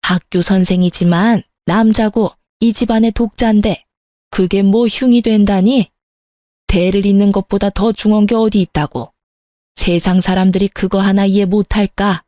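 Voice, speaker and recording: A harsh old mother-in-law who speaks with open scorn, read by a woman narrator. The voice is warm and mellow, recorded close and dry. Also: medium pitch, steady tone, normal speed, dry recording, natural voice. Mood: scornful.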